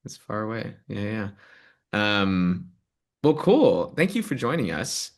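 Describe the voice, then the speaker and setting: Animated man hosting a software demo. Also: fairly low pitch, takes it slowly. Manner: animated, enthusiastic, many ums and rights. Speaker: product manager giving a demo and host. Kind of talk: live software demo and interview. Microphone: video call.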